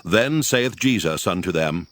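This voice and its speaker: A man's voice: low-pitched, expressive, unhurried, dry recording, studio quality. A man narrating dramatized scripture in a formal storytelling style. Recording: loud music under the voice.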